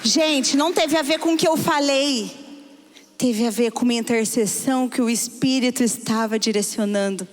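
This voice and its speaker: Woman preacher, Brazilian Portuguese accent, high voice, church hall with long reverb. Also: moderate pace, a little hiss or hum. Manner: storytelling, swings between hushed and excited tones. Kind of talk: sermon.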